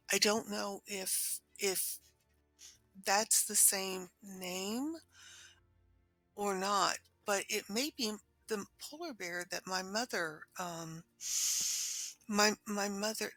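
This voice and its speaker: Slow, bright-voiced woman storyteller, hesitant. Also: mid-range voice, no echo. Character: warrior woman telling of her mother. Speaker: player in a tabletop roleplaying game. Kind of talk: in-character improvised storytelling.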